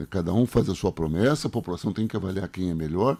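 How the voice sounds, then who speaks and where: Lively intonation from a man, very clean recording with a silent background. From Brazil. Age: 60s. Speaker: director of a hydroelectric plant. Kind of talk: radio interview.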